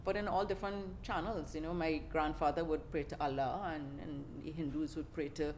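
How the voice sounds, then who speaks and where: A middle-aged Trinidadian woman with a notably low voice tells her story in a relaxed, chatty way. She laughs often and restarts her sentences as she talks. Faint background noise sits under the voice. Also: a little fast. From Trinidad and Tobago. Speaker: podcast guest. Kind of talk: casual interview storytelling.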